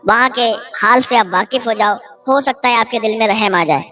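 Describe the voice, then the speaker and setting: A woman's voice: on the high side, pushed and bright. A woman voicing a young man who urges a widower to forgive his late wife, in a storytelling sermon. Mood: pleading. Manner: persuasive, pleading.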